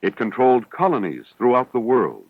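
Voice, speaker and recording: A man reading scripted narration for an educational film in a measured, formal, explanatory way. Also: medium pitch, very animated, no room sound. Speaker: documentary narrator. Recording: dull, hissy 1970s educational film soundtrack.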